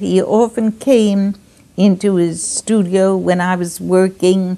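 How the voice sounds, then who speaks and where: A woman's dark, mellow voice at a medium pitch, monotone and flat in intonation, at a very slow pace. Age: 80s+. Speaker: artist and potter. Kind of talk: interview answer. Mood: reflective, warm reminiscing.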